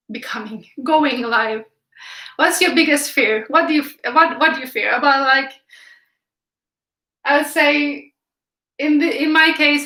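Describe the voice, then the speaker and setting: Young Finland Swedish woman, high and bright, chatty live-stream painter in an echoey room. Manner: chatty, reads viewer comments aloud, frequent restarts. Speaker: art livestream host. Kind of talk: casual live-stream chat while painting. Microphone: camera filming from above.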